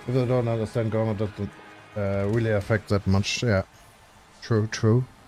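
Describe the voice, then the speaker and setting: A man with a non-native accent, moderate pace, fairly low pitch and monotone, flat intonation, with music in the background. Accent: non-native English, self-described imperfect. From Germany. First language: German. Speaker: gaming streamer. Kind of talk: casual live-stream chat with viewers. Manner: halting, with filler words.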